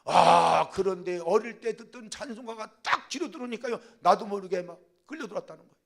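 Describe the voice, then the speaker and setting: An older man, a senior pastor, preaching a fervent sermon that swings from loud calls to the congregation into quieter storytelling. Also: high-pitched, lively intonation, brisk, vocal fry. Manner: quieter storytelling when recounting a past event.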